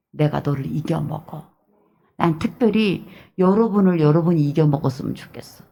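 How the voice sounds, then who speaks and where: A woman pastor with a Jeolla Korean accent, preaching an early-morning sermon in an emphatic, repetitive way with hushed asides. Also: mid-range voice, vocal fry, breathy edge.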